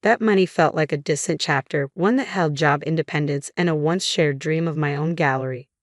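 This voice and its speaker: A woman narrating a first-person story in a measured, quietly wry way. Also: low voice, no echo, studio quality.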